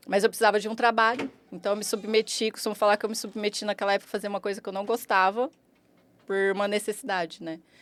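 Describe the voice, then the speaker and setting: Talking very fast in a monotone, flat way, a woman with a medium-pitched voice is heard in a very clean recording with a silent background and a dry, close sound with no echo. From Goiás, Brazil. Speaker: marketing agency CEO. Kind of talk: podcast interview.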